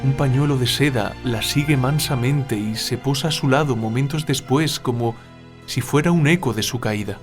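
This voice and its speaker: A man playing a troubled writer haunted by nightmares, confiding in a measured, literary way, as in an audio drama. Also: medium pitch, faint music behind, natural voice. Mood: tense. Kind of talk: audio drama monologue, narrating a dream.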